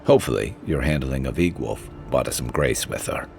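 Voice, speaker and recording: An actor playing an easygoing, wry adventurer companion in a video game, teasing and reflective. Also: male voice, very deep voice, lively intonation, brisk, vocal fry, a little mellow, soft background music, heavily acted. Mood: wry, concerned. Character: easygoing wry male adventurer companion, weathered but good-humoured. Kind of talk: naturalistic video game dialogue.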